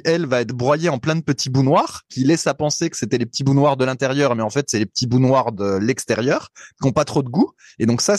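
A man's voice: medium pitch, no echo, studio quality. A man co-hosting a casual podcast, explaining things at length in a chatty way and laughing easily. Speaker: podcast co-host. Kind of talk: casual chat.

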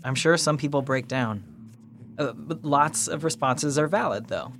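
A man acting a grieving, gentle and hesitant younger brother in an audio drama. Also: fairly high pitch, unhurried, gravelly, soft background music. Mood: gentle, subdued.

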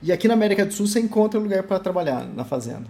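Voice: medium pitch, very animated, rapid-fire, dark tone. An interviewer asking curious questions in a casual interview, with short replies.

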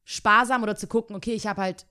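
A woman's voice: medium pitch, fairly even intonation, fast, pushed and bright, smooth. A young woman, co-hosting a podcast in casual chat, thoughtful and hedging with many fillers. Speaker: podcast co-host.

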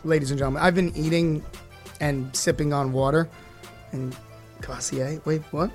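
Male radio host, hoarse, high voice, showy joking banter, faint music bed. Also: fairly even intonation. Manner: showy, joking, rapid riffing introductions. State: hoarse, losing his voice. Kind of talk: playful, hyped radio banter. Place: community radio studio. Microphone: studio microphone.

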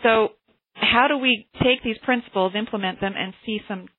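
A woman's voice: fairly high pitch, moderate pace. A woman hosting a motivational class on a group phone call, speaking earnestly and sharing personal stories over a tinny line. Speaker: host and teacher of a motivational class. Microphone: telephone conference call.

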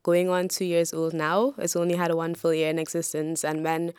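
A woman interviewer asks questions in a measured, even way. Her voice is lower in pitch and very clear and smooth. The sound is dry and close. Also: no echo.

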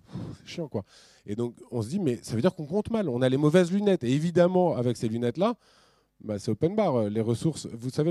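A man giving a lively, off-the-cuff talk with slides, full of restarts and fillers. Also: medium pitch, dry recording. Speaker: speaker.

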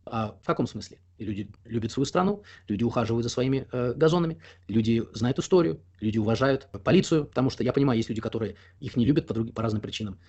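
A young man being interviewed, talking at length in an opinionated way, often pausing on fillers. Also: mid-range voice, animated, warm tone, muffled recording. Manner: talkative, opinionated, explains at length with frequent fillers. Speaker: interview guest. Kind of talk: casual conversational interview.

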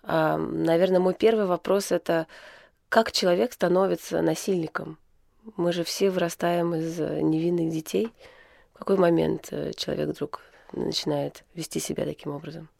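Hoarse woman hosting a podcast. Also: low voice, steady tone, normal speed, a little mellow, no room sound, studio quality. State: hoarse after an illness. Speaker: podcast host. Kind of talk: podcast interview.

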